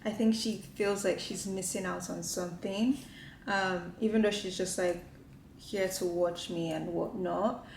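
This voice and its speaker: A woman's voice: fairly low pitch, steady tone, measured pace, gravelly, a little mellow, slight background noise. A woman vlogging to camera from her home kitchen, chatting casually and rambling with lots of "like" fillers. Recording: echoey room with faint ambience.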